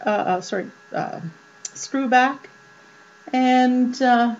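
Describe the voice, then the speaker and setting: A woman with a slightly high voice talks slowly and casually as she shows off jewelry, filling pauses with ums and uhs. The sound is dull and lo-fi, with a mains hum underneath. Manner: slow and chatty, many ums and uhs. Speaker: jewelry vlogger. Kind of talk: casual show-and-tell.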